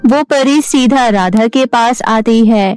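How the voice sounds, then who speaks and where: A woman's voice: on the high side, slow, no room sound, faint music behind. Woman narrating a cartoon story. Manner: calm, even storytelling. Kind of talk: scripted narration for an animated story.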